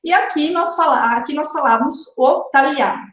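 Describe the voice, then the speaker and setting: A woman's voice: high voice, a little fast, fairly bright tone, reverberant. A woman hosting a live online interview series, chatty and often adding tag questions. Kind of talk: casual live-stream hosting.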